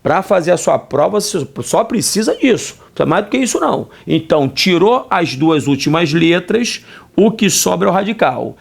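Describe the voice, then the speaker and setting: A middle-aged Brazilian man teaching grammar in a video lesson, lively, asking himself questions in a student's voice and answering them. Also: high-pitched, normal speed, gravelly, husky. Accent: Brazilian Portuguese.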